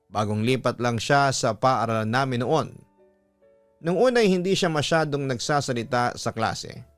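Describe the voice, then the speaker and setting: Over background music, a Filipino-accented radio-style host with a clean, mid-range voice dramatically narrates a listener's letter from a script. The recording itself is dry.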